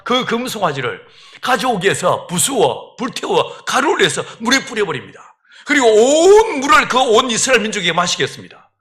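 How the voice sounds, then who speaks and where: A male pastor from the Gyeongsang region with a Gyeongsang accent, preaching an animated sermon that acts out the dialogue of the story. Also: high-pitched. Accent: Gyeongsang Korean. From Gyeongsang region, Korea.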